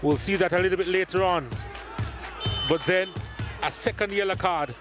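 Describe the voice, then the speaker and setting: A man with a fairly high voice calls football highlights in a lively, emphatic way. His voice-over runs over clear background music. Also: moderate pace. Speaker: highlights commentator. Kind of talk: sports highlights commentary.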